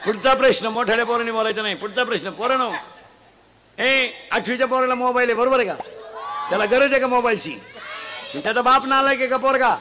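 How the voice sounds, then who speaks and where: A man preaching a comic devotional sermon, scolding in a folksy way and quizzing the crowd for shouted answers. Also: extremely high pitch, fast talker, background noise. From Maharashtra. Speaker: kirtan preacher. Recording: live event with a loud crowd. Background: crowd responding and laughing.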